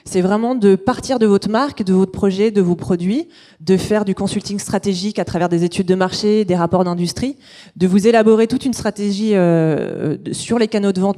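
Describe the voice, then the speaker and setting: A woman, a company founder giving a business pitch presentation. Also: warm tone.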